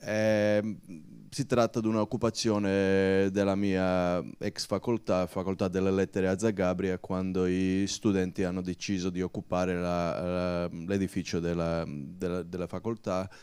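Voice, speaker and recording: A man with a Croatian accent speaks fairly slowly in a very deep, low pitch, his intonation fairly even, on a very clean recording with a silent background. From Croatia, Rijeka. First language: Croatian (speaking Italian). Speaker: film director. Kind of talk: panel talk. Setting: stage with audience. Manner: halting.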